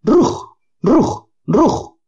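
A man voicing a frightened black guard dog that barks in high, frantic yelps in a read-aloud story. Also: very animated, drawn-out words, warm tone, husky, dull audio, exaggerated voice. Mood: frantic barking. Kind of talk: audiobook reading.

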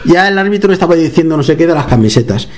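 A man from Guadalajara, Spain, an author being interviewed, who tells anecdotes in an animated way and acts out the dialogue. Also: fairly high pitch, fast talker, a little hiss or hum. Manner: animated storyteller, acts out dialogue, laughs while telling. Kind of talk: casual interview chat.

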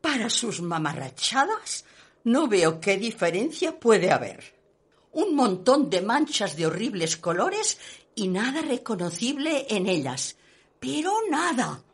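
Haughty, gossipy society lady with a husky voice. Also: on the high side, very animated, takes it slowly, exaggerated voice. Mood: disdainful. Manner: haughty, emphatic, theatrical. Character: snobbish, gossipy society lady visiting her friend. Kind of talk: Spanish radio play acting.

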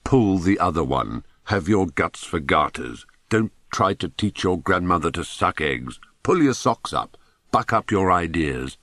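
A man's voice: sits low, very animated, unhurried, fairly bright tone, no echo, studio quality, exaggerated voice. A man voicing an exasperated, sarcastic, pompous old-school schoolmaster with an English accent in an audiobook. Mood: scornful.

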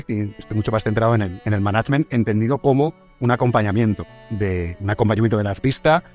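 A man with a fairly low voice answers interview questions as a music manager. He talks in a halting way, restarting phrases often. Faint music plays underneath. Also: darkish tone. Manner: halting, many restarts and fillers.

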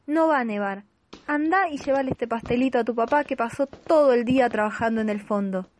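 A woman's voice: on the high side, brisk, a little mellow, lightly acted. A woman playing a practical, exasperated mother in a radio play, scolding and insistent, with an Argentine accent.

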